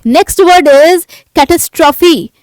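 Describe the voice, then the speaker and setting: A woman with an Indian accent teaching English vocabulary in a lecture, asking the class questions and answering them herself, reading definitions slowly and deliberately. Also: very high voice, darkish tone, no room sound.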